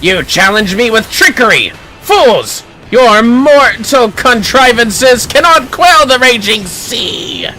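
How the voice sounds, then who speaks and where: Man putting on a booming, wrathful sea serpent god. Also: very animated, bright, forceful tone, soft background music, exaggerated voice, poor audio. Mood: furious, grandiose. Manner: booming, theatrical, drawn-out. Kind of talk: reading game villain lines aloud.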